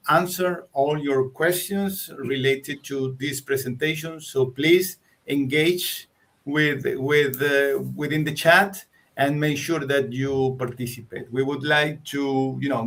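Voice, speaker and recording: Argentinian man, webinar co-presenter, mid-pitched, halting delivery with fillers. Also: fairly bright tone. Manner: hesitant, with fillers and repeated words. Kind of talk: tech webinar talk.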